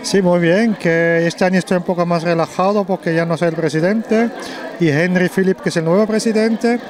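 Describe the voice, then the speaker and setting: Male interviewee, high voice, relaxed halting delivery, faint crowd bustle. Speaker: club member being interviewed. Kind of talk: casual on-location interview. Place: busy indoor Christmas market. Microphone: handheld interview microphone. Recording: crowd chatter in busy hall.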